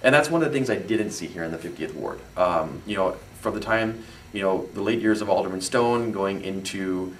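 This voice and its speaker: Deep-voiced man, earnest candidate. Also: normal speed, a bit bright, reverberant, recorded from a distance, a little hiss or hum. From Chicago. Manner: earnest, peppered with "you know". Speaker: candidate for city alderman. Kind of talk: interview answers.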